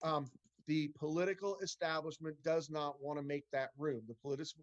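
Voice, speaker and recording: Middle-aged candidate, earnest, halting, slightly high voice, dry close video-call sound. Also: male voice, steady tone, no room sound, muffled recording. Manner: earnest, many restarts and fillers. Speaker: congressional candidate. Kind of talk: town hall Q&A answers.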